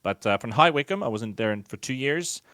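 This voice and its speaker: A man's voice: mid-range voice, lively intonation, fairly quick, fairly bright tone, no room sound, studio quality. A Finnish man in his late twenties with a Finnish accent, chatting casually as a guest about his work and travels. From Finland. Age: 20s. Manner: chatty, self-deprecating, lists things off. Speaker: esports commentator, guest. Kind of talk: casual conversational interview.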